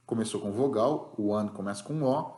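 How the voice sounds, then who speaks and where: A man's voice: fairly low pitch, moderate pace, mellow, echoey room. A man with a Brazilian Portuguese accent teaching an English grammar lesson, explaining rules patiently and checking in with the class after each point.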